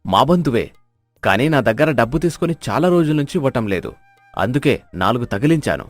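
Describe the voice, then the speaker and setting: A man plays a rough, scheming villager in a cartoon tale. He is gruff and challenging, with very lively intonation, recorded dry. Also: mid-range voice, brisk, no echo, soft background music. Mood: aggressive. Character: rough, scheming village men: troublemaker and deep-voiced fisherman. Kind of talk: animated moral story dialogue.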